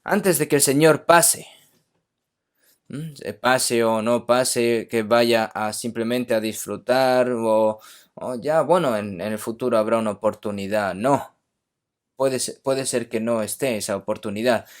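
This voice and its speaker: A man from Korea preaching a sermon emphatically, often checking in with his listeners. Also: medium pitch.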